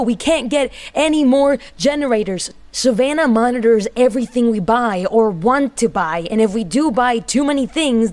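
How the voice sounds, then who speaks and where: A woman playing a weary, wry tinkerer in a sci-fi audio drama monologue, speaking in a halting, brooding manner. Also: on the high side, a little mellow, close to an everyday voice. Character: weary, wry young woman tinkerer in a doomed underground city.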